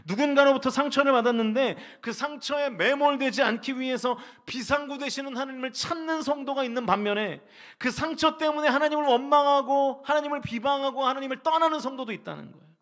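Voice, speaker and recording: A man's voice: very high voice, brisk, hardly any pauses, fairly bright tone. A middle-aged male pastor giving a sermon in a church, asking the congregation rhetorical questions and voicing people's complaints to God. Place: church sanctuary.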